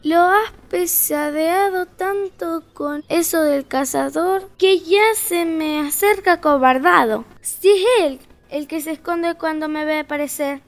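A woman playing a bossy, fed-up, rebellious little Red Riding Hood in a comic audio story, sassy, impatient and quick to interrupt. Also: extremely high pitch, full character voice. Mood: scornful. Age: young girl figure. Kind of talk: comedic audio fiction acting.

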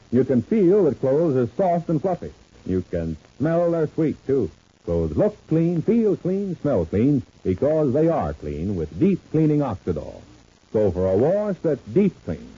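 An old radio announcer, a man with a dark, husky voice and very lively pitch. He sells with emphatic, scripted phrasing on a dull vintage broadcast recording. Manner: emphatic salesman delivery with repeated slogans.

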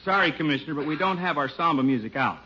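An actor playing a breezy, money-minded bandleader in a 1950s radio sitcom, wisecracking. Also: male voice, a little high, animated, quick pace, close to an everyday voice. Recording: dull noisy old radio recording.

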